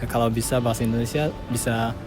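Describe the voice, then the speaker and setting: Casual interviewee: man, Japanese accent, foreigner speaking Indonesian, mid-pitched, searching for words over music. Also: fairly even intonation, fast talker. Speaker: interviewee, content creator. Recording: loud music behind.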